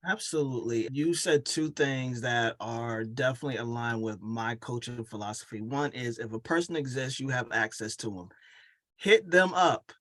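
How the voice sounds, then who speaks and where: A man's voice: medium pitch, normal speed, fairly bright tone. A man hosting a conversational interview, affirming his guest and speaking in motivational, coach-like phrases. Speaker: podcast host and coach.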